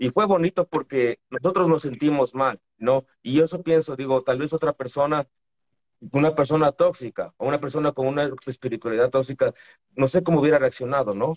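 A man with a normal speaking voice, fairly high pitch, ordinary pitch variation and a fairly quick pace. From Ecuador. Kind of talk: casual chat. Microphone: connection cutting out.

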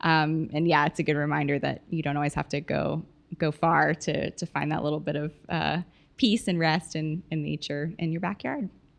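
A woman with an American accent talks at a moderate pace, her pitch very deep and low with vocal fry. Her intonation is fairly even. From Oklahoma, small town. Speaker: nonprofit marketing director. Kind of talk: interview. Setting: studio.

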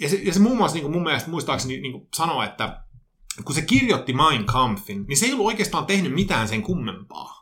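Fairly high and fairly quick, a man's bright, sharp voice swings very widely in pitch and carries vocal fry. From Sweden, Stockholm suburb (Sweden Finn). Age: 40s. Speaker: writer and entrepreneur. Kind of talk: casual chat. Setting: café.

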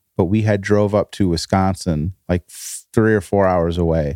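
With a Chicago accent, a man speaks at a moderate pace in a low pitch and a slightly mellow tone, using fairly even intonation in a dry, close sound with no echo. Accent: American Midwestern, Chicago.

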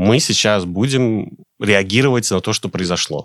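A man at a very slow pace, with ordinary pitch variation and a dry, close sound with no echo. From Uzbekistan, Tashkent. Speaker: urban sustainability specialist, architect. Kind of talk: interview.

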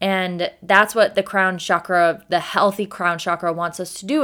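On a very clean recording with a silent background, a woman speaks at a medium pitch and a moderate pace in a bright, sharp, animated tone with ordinary pitch variation. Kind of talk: solo podcast monologue.

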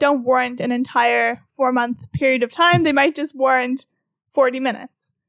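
A woman speaks in a high voice, the sound dry and close with no echo. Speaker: podcast co-host. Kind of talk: casual chat.

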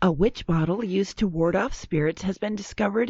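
A woman with an ordinary speaking voice talks at a moderate pace and medium pitch with lively intonation. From Minnesota. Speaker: panelist. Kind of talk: casual chat.

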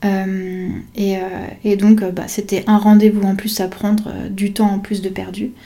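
Very slow and monotone, a woman speaks at medium pitch with a dark, mellow tone and a somewhat breathy quality. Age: 30s. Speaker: listener giving testimony. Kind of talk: recorded testimony.

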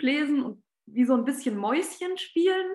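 The pace of this woman's speech is fairly slow. Her pitch is high and her intonation lively. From Bavaria, near Munich. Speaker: author and illustrator. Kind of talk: interview.

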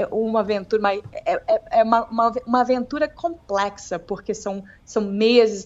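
With hardly any pauses, a woman with a normal speaking voice and fairly high pitch talks at a moderate pace with ordinary pitch variation. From Rio de Janeiro state, Brazil. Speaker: long-distance hiker. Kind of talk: casual interview, telling stories. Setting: remote call from the US.

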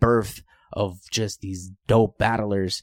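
On a very clean recording with a silent background, a man with a Southern California accent speaks in a monotone, flat intonation. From Los Angeles area, California. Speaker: battle rap league organizer. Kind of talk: casual chat.

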